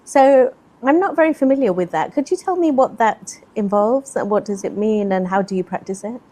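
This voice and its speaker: A woman's voice: on the high side, fairly quick, dark tone. A woman with a British accent hosting a casual video-call interview, encouraging her guest with frequent short responses. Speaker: host, English teacher.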